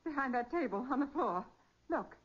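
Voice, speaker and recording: A plucky female assistant to a radio detective. Her voice sits fairly high, breezy and inquisitive, in the slangy style of 1940s crime drama. The sound is dull, like an old broadcast. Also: animated, normal speed, slightly rough. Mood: startled. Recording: muffled vintage 1940s radio recording.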